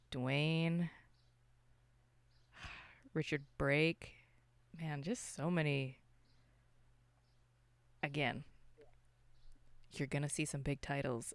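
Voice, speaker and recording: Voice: mid-range voice, clear, resonant tone, no echo. A podcast co-host chatting casually, with slangy, exclamatory interjections. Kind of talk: casual chat and reactions.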